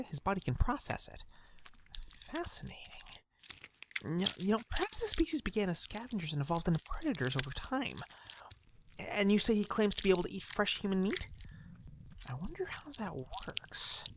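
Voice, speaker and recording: A woman's voice: on the low side, noisy background. A woman playing an eccentric, condescending scientist doctor in an audio drama, with a pedantic, theatrical and wordy manner. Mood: fascinated musing. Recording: music behind the voice.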